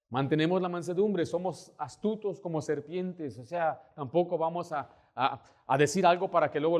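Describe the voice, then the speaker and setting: A male pastor preaching with emphatic storytelling. His voice sits fairly high for a man, and he punches key words and acts out the people in his stories. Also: a little mellow. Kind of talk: sermon.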